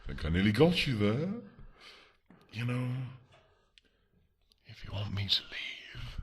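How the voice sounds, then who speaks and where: An actor playing a taunting, whispering male tormentor in a horror audio drama, teasing and slow. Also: on the low side, very animated, heavily acted. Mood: mocking menace. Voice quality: breathy, whispering.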